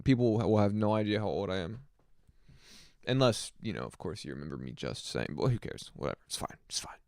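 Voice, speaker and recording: A man's voice: lowish voice, lively intonation, brisk, gravelly, a little mellow, dry recording, clean studio sound. A man in his twenties chatting casually on a music livestream, rambling and reflective with many fillers. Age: 20s. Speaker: music streamer.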